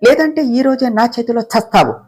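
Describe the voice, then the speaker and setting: A woman voicing the vengeful ghost of a murdered young woman, speaking in a lowered, menacing, taunting voice. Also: lively intonation, fairly quick, darkish tone, husky, soft background music.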